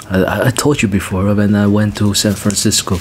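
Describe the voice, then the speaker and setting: A man with a fairly low pitch at a moderate pace, light background noise behind him. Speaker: podcast guest or host. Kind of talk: casual conversation, telling anecdotes. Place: garden. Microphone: studio mic.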